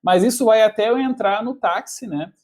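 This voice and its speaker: A man with a Porto Alegre accent and a fairly high voice. He hosts a casual conversation and makes dry, wry remarks. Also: moderate pace, a little mellow. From Porto Alegre, Brazil. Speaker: host and teacher.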